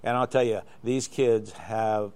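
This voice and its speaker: A man's voice: on the low side, steady tone, a little slow, a little mellow. An older man, a guest in a live studio interview, telling anecdotes in a rambling way with many restarts. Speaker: interview guest, glider flight examiner.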